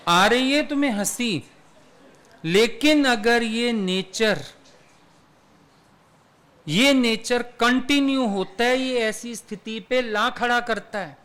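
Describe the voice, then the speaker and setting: A man with a notably high-pitched voice delivers a satsang sermon to listeners. He speaks conversationally and teases his audience as he makes his points. He drops English words into his speech along the way. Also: slow, long pauses, fairly bright tone. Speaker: spiritual teacher.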